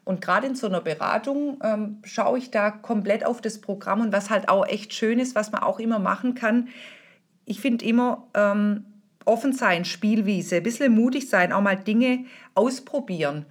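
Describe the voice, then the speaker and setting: A woman's voice: medium pitch, normal speed. A middle-aged woman hosting a podcast as a style consultant, explaining in a chatty, informal way with many fillers and restarts. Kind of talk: casual explanatory podcast talk.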